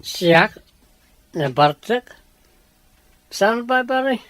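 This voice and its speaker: A man's voice: high voice, animated, extremely slow, a bit bright, heavily acted. An actor playing a lovesick, stubborn young man in a radio drama, emotional and insistent. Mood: tipsy, insistent.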